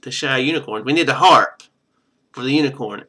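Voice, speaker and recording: A man's voice: medium pitch, brisk, pushed and bright. A man streaming a game, reading its text aloud and thinking through it in casual commentary. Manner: thinks aloud while playing.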